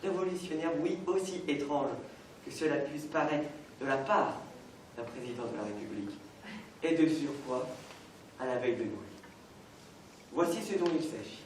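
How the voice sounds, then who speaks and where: A man's voice: on the high side, close to an everyday voice. A young man playing a male head of state giving a solemn, formal address in a school stage play. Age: teenage. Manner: slow, solemn, oratorical. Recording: echoey hall from far off, faint noise.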